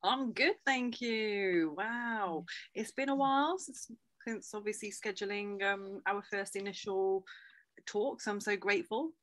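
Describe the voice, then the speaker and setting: A woman's voice: mid-range voice, measured pace. A woman hosting an interview podcast, talking with many hesitations and fillers. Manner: warm scripted intro, then hesitant with fillers. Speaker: podcast host.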